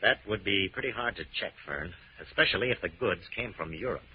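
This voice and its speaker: An actor playing a cool, confident male sleuth in a 1940s-style radio mystery, smooth and unflappable as he probes. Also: sits low, expressive, brisk, exaggerated voice. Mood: measured, deducing. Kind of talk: 1940s radio detective drama acting. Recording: dull, noisy old radio recording.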